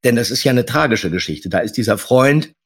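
A man's voice: mid-range voice, animated, a little fast, husky. A man co-hosting a podcast, giving emphatic, opinionated critique in casual conversation. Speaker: podcast co-host.

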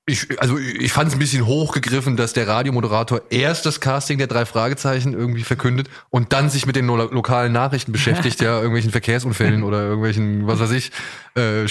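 Man co-hosting a casual podcast, mid-range voice. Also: medium pitch. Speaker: podcast co-host.

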